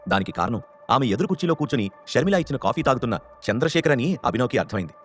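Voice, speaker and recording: A man narrating a scripted story and acting out the characters' lines. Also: soft background music. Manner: fast, animated reading that lifts pitch for quoted characters.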